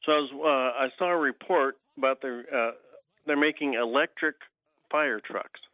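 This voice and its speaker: A man's voice: mid-range voice, moderate pace, no room sound. A man calling in over a tinny landline. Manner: rambling, chuckling. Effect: over a landline phone. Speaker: caller. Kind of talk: casual call-in chat. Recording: tinny phone line.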